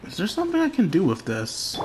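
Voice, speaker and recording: A young man with a slightly high voice narrates his gameplay in a loose, sarcastic mutter, swearing offhandedly as he goes. A faint bed of ambience hums under his voice. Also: wildly swooping pitch, a little fast, darkish tone, slight background noise. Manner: sarcastic, talks to himself, swears. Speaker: gameplay commentator. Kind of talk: casual gameplay commentary.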